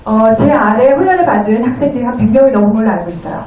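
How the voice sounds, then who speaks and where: A woman interpreting a lecture phrase by phrase in a polite, formal, somewhat halting way. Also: fairly high pitch, lively intonation, a little mellow, muffled recording. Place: echoey indoor venue. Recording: very echoey, distant room.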